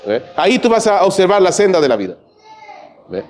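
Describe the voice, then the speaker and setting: A man with a Peruvian Spanish accent preaching a church sermon, peppering his points with quick "¿ve?" and "¿no?" asides to the congregation. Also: high voice, big pitch swings. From Peru. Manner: conversational preaching, frequent "¿ve?" and "¿no?" asides. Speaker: pastor. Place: church sanctuary.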